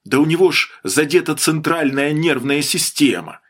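Male narrator voicing a cheeky, mocking handler guy, animated. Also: on the high side, moderate pace, voice pushed up.

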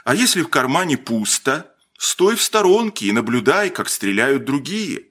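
Male narrator, mid pitch, very lively intonation, measured storybook delivery. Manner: expressive, measured reading with shifts in pitch for emphasis.

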